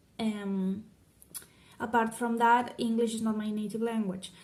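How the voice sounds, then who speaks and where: With a fairly high pitch, a woman speaks at a fairly slow pace in a monotone, flat way. Audible room echo surrounds her voice. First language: Spanish and Catalan. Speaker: vlogger. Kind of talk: personal vlog monologue. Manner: halting, with many fillers and restarts.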